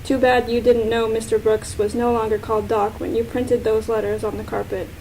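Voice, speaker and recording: A woman's voice: fairly high pitch, flat delivery, a little fast, dark tone, lightly acted, poor audio. A woman playing a composed, probing police inspector in an amateur radio-style mystery. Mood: triumphant. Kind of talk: amateur radio-play acting. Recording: faint background noise.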